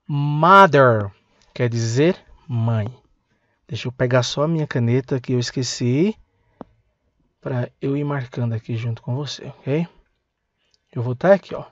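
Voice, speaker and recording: A man with a Brazilian Portuguese accent teaching English to beginners, saying words slowly and having learners repeat them. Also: mid-range voice, no room sound, lo-fi sound. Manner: slow, drilling words for learners to repeat, breaks in to grab his pen. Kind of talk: language lesson for beginners.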